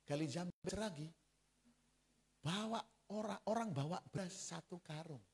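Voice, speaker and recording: A man's voice: sits high, a little slow, gravelly, husky. A man, preaching a sermon as a pastor and telling stories straight to the congregation. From Central Java, Indonesia. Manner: animated storytelling, addressing the congregation directly.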